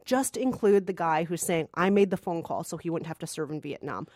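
A woman's voice: fairly low pitch, animated, a little fast, darkish tone, no echo, clean studio sound. A woman co-hosting a film review podcast, chatting in an emphatic way and repeating her points. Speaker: podcast co-host, film critic.

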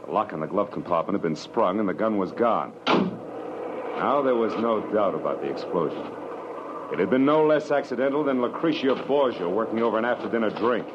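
A man's voice: fairly low pitch, expressive, a little fast, lo-fi sound, natural voice. An American man acting in an old radio drama as a tough, wry private detective, terse and slangy. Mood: grim, wry. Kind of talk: 1940s radio drama acting, first-person narration. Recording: noisy, band-limited old radio recording.

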